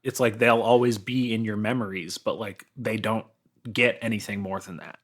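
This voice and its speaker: A man's voice: on the low side, steady tone, moderate pace, a bit bright. A man speaking as a podcast guest in a casual discussion of an album.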